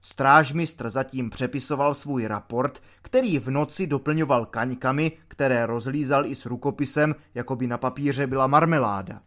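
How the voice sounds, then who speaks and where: A man narrating a story in an audiobook with expressive storytelling. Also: mid-range voice, few pauses.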